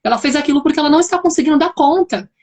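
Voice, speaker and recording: A woman's voice: high voice, racing, darkish tone. A woman with a Brazilian accent hosting a live video chat, explaining her points in a thoughtful way. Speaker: host.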